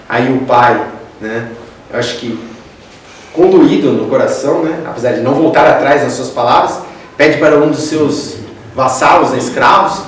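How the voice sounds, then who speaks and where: A man's voice: medium pitch, a little hiss or hum. A man with a Brazilian accent giving a conversational spiritist lecture, often addressing the audience directly as "gente". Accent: Brazilian Portuguese. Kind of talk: religious lecture. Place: lecture hall. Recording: echoey hall, distant mic.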